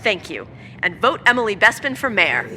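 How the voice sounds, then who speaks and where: A woman's voice: medium pitch, very animated, normal speed, noisy background, close to an everyday voice. A woman playing a combative, self-righteous politician running for mayor, speaking in pompous, cutting speeches in an audio drama. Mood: defiant, righteous. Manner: forceful, pompous public speechmaking with cutting insults.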